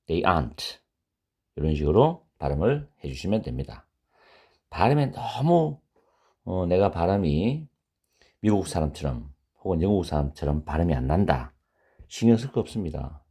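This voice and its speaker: Man, English teacher, beginner grammar lecture, lively pitch, repeats example sentences. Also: breathy edge.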